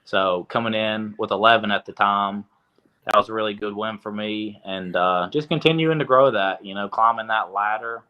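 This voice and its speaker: A young man from Tennessee, a boxer, answering interview questions in a relaxed way with lots of fillers. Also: lowish voice, normal speed, highs cut off. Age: young adult. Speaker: boxer, guest.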